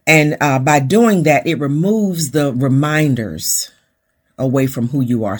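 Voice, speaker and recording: A woman's voice: extremely low pitch, breathy edge. A woman hosting a podcast, giving a fervent, preacher-like motivational talk in numbered points with lots of repetition. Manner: fervent, preacherly, repeats lists. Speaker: podcast host.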